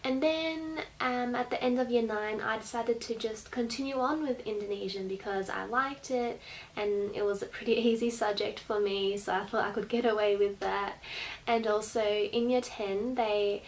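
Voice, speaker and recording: A young woman, late teens to young adult, speaks with an Australian accent in a slightly high, steady voice at normal speed. Vlogging from a small bedroom, she explains things casually to camera. The recording is rough, with faint background room noise.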